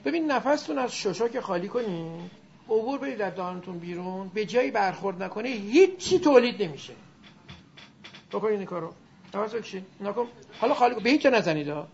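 Animated classroom teacher who sounds out letters and quizzes students; gravelly, recorded lo-fi with faint noise. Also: mid-range voice. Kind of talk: classroom lesson on Arabic grammar and pronunciation.

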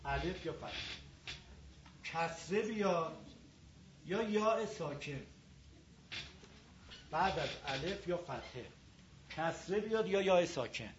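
A man with a fairly high voice teaches a recitation class, going over each rule again and again and sounding out the examples himself. The recording is dull and lo-fi, as if captured in a classroom. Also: expressive, pauses often, slight background noise. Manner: patient, repeats rules, models pronunciations. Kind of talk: live class lecture on tajweed. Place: classroom with a board.

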